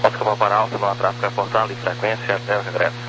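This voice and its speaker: A man's voice: on the low side, little pitch movement, racing. A Brazilian man working as an air traffic controller, giving instructions over aviation radio. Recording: humming, noisy radio transmission.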